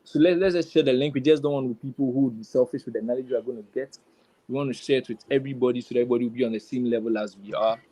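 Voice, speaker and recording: A man's voice: medium pitch, racing, warm tone, no echo, muffled recording. A man co-hosting a live webinar informally, urging the attendees along with repeated phrases. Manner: repetitive, urging. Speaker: co-host welcoming attendees.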